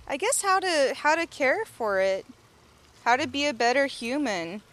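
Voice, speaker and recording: A woman's voice: high voice, sing-song, measured pace, fairly bright tone. A woman chats casually in an interview. She giggles often and talks loosely, using many fillers.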